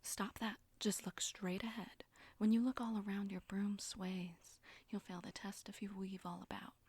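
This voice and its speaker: A woman voicing a flirty, bossy witch who teaches broom riding, in a soft breathy ASMR roleplay whisper. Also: mid-range voice, flat delivery, moderate pace, dry recording, close to an everyday voice. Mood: instructive. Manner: teasing, bossy, instructive. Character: flirty, sassy witch broom-riding instructor, condescending but coaxing.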